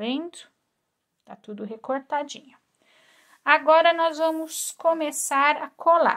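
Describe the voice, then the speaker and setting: A woman's warm, high-pitched voice at a very slow pace, with long, frequent pauses, big swings in loudness and ordinary pitch variation, against a quiet background. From Brazil. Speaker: primary school art teacher. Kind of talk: craft tutorial for young children. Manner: warm, instructive, addressing children. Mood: gentle, explanatory. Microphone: phone near.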